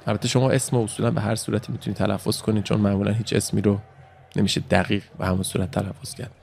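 A man's voice: on the low side, level tone, gravelly, a little mellow, slight background noise. A man giving casual play-by-play commentary on an old fight as the channel's host, explaining moves and drifting into chatty asides.

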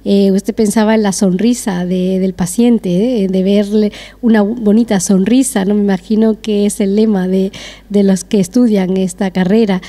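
On a decorated restaurant patio, a middle-aged woman hosts a TV interview into a handheld mic, speaking effusively and full of compliments. Her mid-range voice is steady and dark-toned, at a moderate pace.

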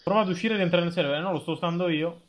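A man's voice: sits high, very fast, a little hiss or hum. A man talking casually and insistently as a co-player on a game livestream, often repeating himself. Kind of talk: casual gameplay banter.

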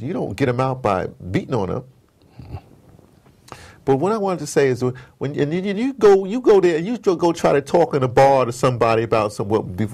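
A man being interviewed, giving passionate, informal political commentary with emphatic storytelling, slangy phrasing and rhetorical questions. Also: medium pitch. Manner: animated, emphatic storytelling, acts out dialogue. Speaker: interview guest.

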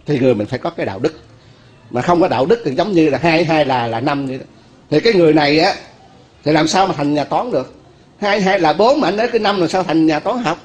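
Folksy Southern Vietnamese monk preaching. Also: male voice, a little high, darkish tone. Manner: folksy, asks the listeners questions, chuckles. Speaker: Buddhist monk. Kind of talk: sermon.

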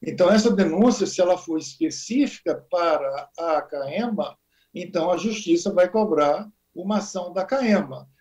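A man giving a deliberate, explanatory interview as an expert on environmental assessment. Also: high voice, darkish tone.

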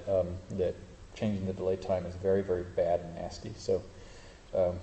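A man with a low, mellow voice gives a relaxed lecture with live demonstrations in a lecture hall, correcting himself along the way and joking dryly. The sound is echoey and roomy, with a faint hiss.

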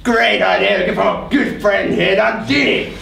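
An amateur actor playing an excitable, pleading young prince, loud and exuberant, on a pantomime stage. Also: mid-range voice, moderate pace, creaky, exaggerated voice. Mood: excited. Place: theatre stage before an audience. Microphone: distant camera in the audience. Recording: very echoey noisy hall, far from mic.

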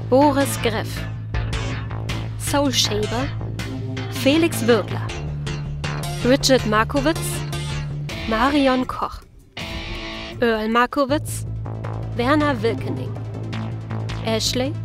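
A woman announcer reading scripted credits for a radio play in a measured, list-like way. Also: on the high side.

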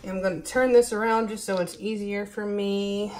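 A woman's voice: medium pitch, fairly even intonation, moderate pace, a little mellow. A woman with a Baltimore accent casually narrates a craft demonstration, thinking aloud in a hesitant, self-deprecating way. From Baltimore, United States. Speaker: host demonstrating acrylic pouring.

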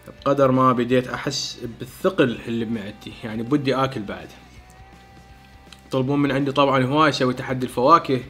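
A man's voice: mid-range voice, a bit bright. A man in his thirties with an Iraqi Arabic accent, hosting a food challenge and chatting between mouthfuls. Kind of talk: casual eating vlog. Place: small indoor home studio.

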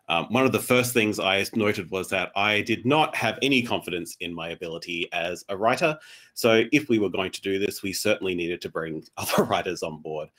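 Low-voiced man answering on a panel. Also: a bit bright. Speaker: panelist, podcast showrunner. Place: room at home, indoors. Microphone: video call.

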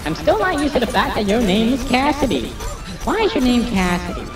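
A man's voice: extremely high pitch, very animated, fairly quick, music in the background. A man chatting over his gameplay through an echoing voice changer. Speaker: gamer. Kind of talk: gameplay commentary. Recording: echoey, distant, game sounds behind.

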